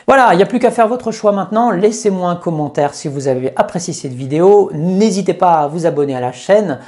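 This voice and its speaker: Expressive and fairly quick, the voice is mid-range and a little mellow. It belongs to a YouTuber giving a chatty, step-by-step tech review of some gear, hesitating often, with sound picked up by a lapel mic.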